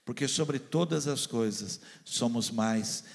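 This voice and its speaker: A man with a Brazilian Portuguese accent preaching a sermon as a pastor, fervent, swinging between loud and hushed delivery, and acting out the voices he quotes. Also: medium pitch, slow, creaky. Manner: acts out the lines of people and God he quotes. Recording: long hall reverb.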